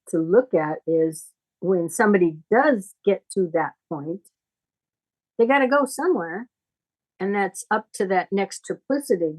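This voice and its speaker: Slow-paced, low-voiced middle-aged woman. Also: poor audio. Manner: halting, deliberate, reflective explaining. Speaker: astrology teacher. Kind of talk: informal spiritual teaching conversation.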